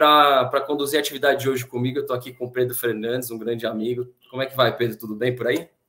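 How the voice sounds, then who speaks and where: The voice races at a very fast pace with hardly any pauses. Its tone is bright and sharp, its intonation monotone and flat. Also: man, medium pitch for a man. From Brazil, Santos (São Paulo state). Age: 30s. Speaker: study group host. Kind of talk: live online talk. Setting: video livestream.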